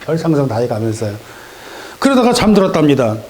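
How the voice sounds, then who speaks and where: High-voiced Korean man preaching a sermon. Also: sing-song, a little fast, a crowd in the background. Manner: storytelling with acted dialogue voices. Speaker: pastor. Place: church sanctuary.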